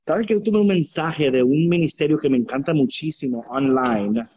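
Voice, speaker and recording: Un hombre que copresenta un pódcast por videollamada, charla informal y juguetona que mezcla inglés con español y repite frases al bromear. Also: male voice, on the high side, normal speed, darkish tone, husky. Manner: playful, teasing, repeats himself. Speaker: podcast co-host. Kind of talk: casual chat, mixes English into Spanish.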